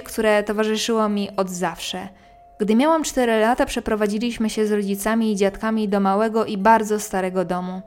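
Calm woman reading a scary story. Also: medium pitch. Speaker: podcast host reading listener stories. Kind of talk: scripted narration of scary stories.

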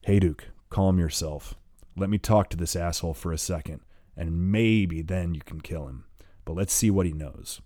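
A man voicing a calm, gruff man in charge who gives orders with dry humor. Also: deep voice, moderate pace, dry recording, natural voice. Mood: commanding. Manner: coolly commanding, drawling.

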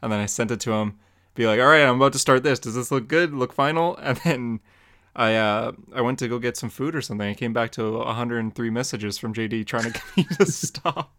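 A young man talking casually on a podcast in a relaxed way, joking and laughing as he goes. His voice sits at a middle pitch. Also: fairly quick. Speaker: podcast co-host and comic artist. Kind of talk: casual chat.

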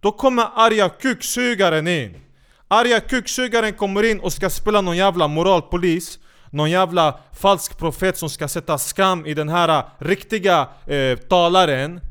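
High, clear-voiced man ranting angrily. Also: fairly bright tone. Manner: angry, sarcastic, scolding, swears a lot. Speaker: commentator. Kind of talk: heated profane rant.

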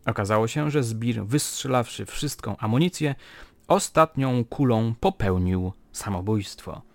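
A man's voice: medium pitch, a little slow, creaky, no echo. A man hosting a storytelling show, reading old crime reports aloud dramatically and chatting with listeners between stories. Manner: dramatic reading with lively quoted shouts. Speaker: podcast host.

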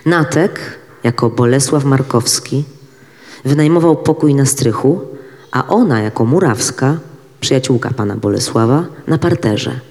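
A man's voice: mid-range voice, darkish tone. Man reading a novel aloud in a hall. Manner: measured, dramatic pauses. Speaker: reader. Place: event hall. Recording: reverberant hall.

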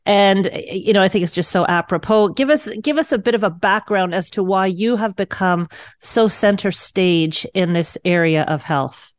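A woman's voice: mid-range voice, normal speed. A woman with a mid-range voice hosts a radio health show. She moves from a scripted intro into easy, conversational questions for her guest.

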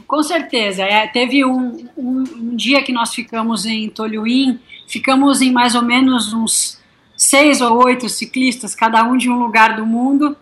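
A woman's voice: on the high side, steady tone, measured pace, fairly bright tone, low-quality recording. A woman from Brazil with a Brazilian Portuguese accent, cheerfully telling stories of her cycling trip in a casual interview. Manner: cheerful, enthusiastic storytelling. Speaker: touring cyclist guest.

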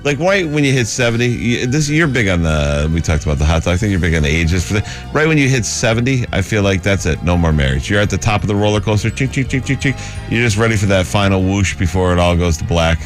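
A man's voice: low-pitched, lively intonation, quick pace, hardly any pauses, faint music behind. A man trading casual comic banter as a guest co-host on a radio show. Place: radio studio.

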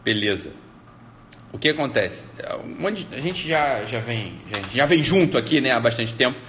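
A man hosting a casual live stream, rambling along and tagging "né?" onto his sentences, his voice getting animated as he retells exchanges. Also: medium pitch, normal speed, slight background noise. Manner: rambling, repetitive "né?" tags, animated when retelling. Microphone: streaming mic.

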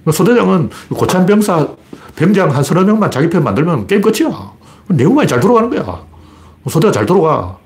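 A man's voice: a little high, big pitch swings, fairly quick. A man hosting his own commentary broadcast, talking in a blunt, colloquial and argumentative way with many rhetorical questions. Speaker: political commentator.

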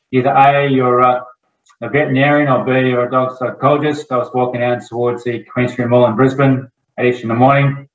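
An Australian man delivers a motivational talk at a medium pitch, steady and anecdotal. His voice rings around a roomy space and sounds a little dull. He often pauses on "I suppose" between points. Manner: measured, storytelling with fillers like "I suppose". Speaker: motivational speaker. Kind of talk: public speaking with anecdotes.

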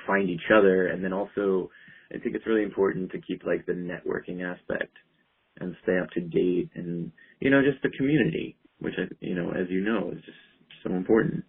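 A man's voice: deep voice, gravelly, husky. A man, a clinical herbalist, talking as a guest over a speakerphone call in a rambling, easygoing way with lots of fillers. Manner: rambling, full of "like" and "you know". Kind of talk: casual interview talk. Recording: tinny phone line.

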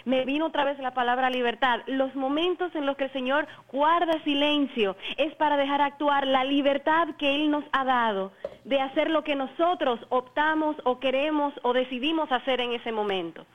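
A woman's voice: sits high, normal speed, dull audio. A woman co-hosting a casual faith chat on the radio, speaking in a reflective, explaining way. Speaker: radio devotional co-host.

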